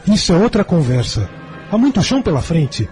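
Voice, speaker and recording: A man's voice: on the high side, sing-song, a little fast, darkish tone, faint music behind. A young man playing a reluctant, evasive but dutiful son in a radio drama, with a Brazilian accent. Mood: reluctant, defensive. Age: young adult.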